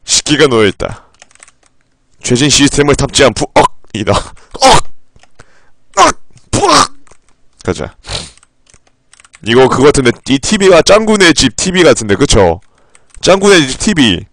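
Streaming his playthrough, a man narrates the game's text in a flat, low voice, now and then exploding into profane outbursts. He takes his time and pauses often.

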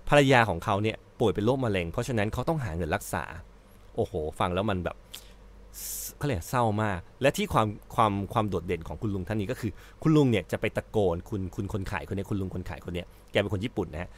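A man's voice: lowish voice, lively intonation, quick pace. A male host giving casual commentary on an article he reads out, chatty, with frequent fillers and self-corrections.

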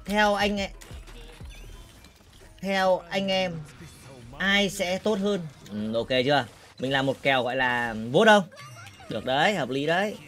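A man livestreaming a game in casual chat, reading out viewer comments and teasing them, often repeating words in quick bursts. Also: sits high, animated, fairly bright tone, soft background music. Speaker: gaming livestreamer.

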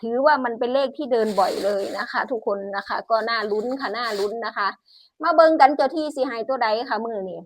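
A woman's voice: fairly high pitch, fast talker, no echo, poor audio. A woman with a northeastern Thai Isan accent hosting a casual lottery numbers channel from home, chatty and exclamatory, often laughing. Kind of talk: casual chat while reading incense numbers. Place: home, indoors.

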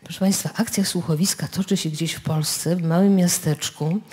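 A woman's voice: fairly low pitch, fairly even intonation, moderate pace, a little mellow. A woman radio host introducing a live radio play from the stage to a studio audience.

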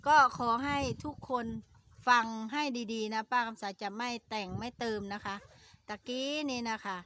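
High, bright-voiced middle-aged Isan woman. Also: moderate pace, slight background noise. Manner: chatty, repetitive, ends phrases with polite particles. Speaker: vlogger. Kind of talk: casual storytelling to viewers.

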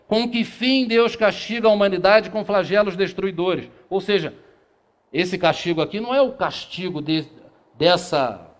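A middle-aged man from Brazil giving a spiritist lecture in a small meeting room, reading passages aloud and posing rhetorical questions that he answers himself. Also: sits high. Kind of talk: lecture to a seated audience. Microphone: far camera, no handheld mic.

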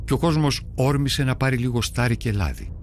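A man's voice: mid-range voice, faint music behind, close to an everyday voice. An actor narrating as a devout early-Christian man who tells, in earnest first person, of a crisis of faith and hard times. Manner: earnest, prayerful, brooding. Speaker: documentary narrator.

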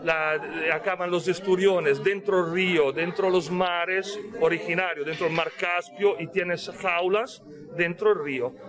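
A man speaks through a face mask, his voice sitting high for a man. He explains patiently and in detail, pausing to make sure he is followed. Loud crowd chatter from a busy shop fills the background. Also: fairly even intonation. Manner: explanatory, checks in with "¿ok?". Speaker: caviar company representative. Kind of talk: explaining products at a tasting interview. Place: busy fish shop indoors.

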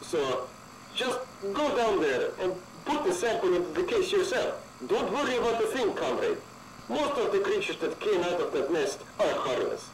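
A calm radio mission handler. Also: male voice, high voice, normal speed, echoey room, a crowd in the background, low-quality recording. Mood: calm instructing. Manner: calm, instructive, calls player comrade.

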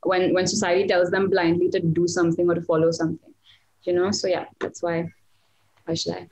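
A woman's voice: lowish voice, flat delivery, fairly quick, darkish tone, roomy sound, low-quality recording. A young woman, a singer-songwriter, chatting casually on a video call from a small room at home, with lots of restarts and fillers. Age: young adult. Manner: chatty, self-deprecating, many restarts and fillers. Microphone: webcam on video call.

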